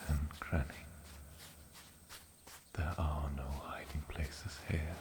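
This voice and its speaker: Man voicing a very deep, gravelly ancient demon. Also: noisy background, full character voice. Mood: stalking menace. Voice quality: breathy, often dropping into whisper. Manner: slow, halting, sinister politeness. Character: ancient banished male island demon, lonely, possessive, menacing. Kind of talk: soft-spoken ASMR fantasy roleplay.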